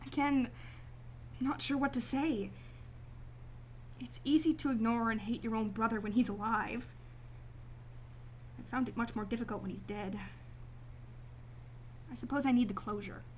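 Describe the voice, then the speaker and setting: Cool, detached woman acted, high-pitched. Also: normal speed, pauses often, darkish tone, slight background noise, lightly acted. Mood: defensive, cool. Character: cool, detached female client, guarded murder victim's sister. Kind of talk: radio drama acting.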